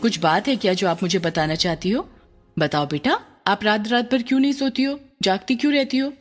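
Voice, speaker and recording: A woman voicing a police officer mother who speaks gently and soothingly to her small daughter. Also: mid-range voice, a little fast, soft background music, close to an everyday voice. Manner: soothing, then sharp. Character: police officer mother, firm but tender.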